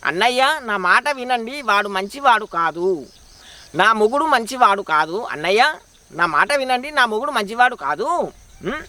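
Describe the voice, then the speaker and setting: A man's voice: high voice, lively intonation, measured pace, sharp tone, exaggerated voice. A man with a Telangana accent voicing a devoted young village wife who pleads and protests insistently in a folk tale. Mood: pleading. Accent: Telangana Telugu.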